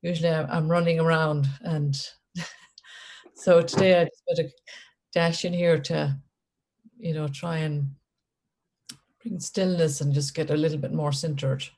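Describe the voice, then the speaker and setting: Casting: woman, west of Ireland accent, slightly low pitch, casual and a bit hesitant. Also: flat delivery, a little slow, a little mellow. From Galway, west of Ireland. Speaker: meditation attendee. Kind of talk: casual chat. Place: online video call.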